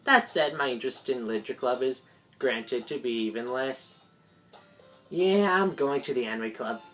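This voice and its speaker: A woman's voice: very deep voice, moderate pace, a bit bright. A woman reading a visual novel script aloud as narrator, with game music behind her.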